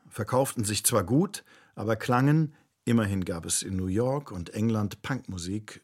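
A man reading scripted narration for a radio play in a measured, literary way. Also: lowish voice, husky.

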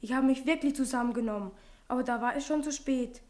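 A woman playing an earnest, warm-hearted schoolboy in a radio play. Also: sits high, fast, close to an everyday voice. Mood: earnest, happy.

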